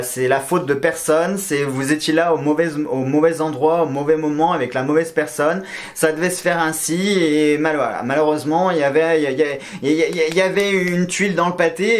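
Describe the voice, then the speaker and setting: Playful man reading weekly horoscopes. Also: on the high side. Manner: playful and joking, counting scores aloud. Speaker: astrology and tarot reader.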